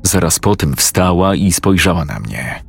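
A man narrating a first-person horror story slowly and with suspense. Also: sits low, sing-song, vocal fry, breathy edge. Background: faint music.

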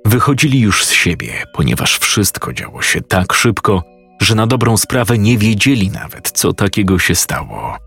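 A man narrating a horror story in a measured, storytelling manner. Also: on the low side, big pitch swings, a bit bright, slightly rough.

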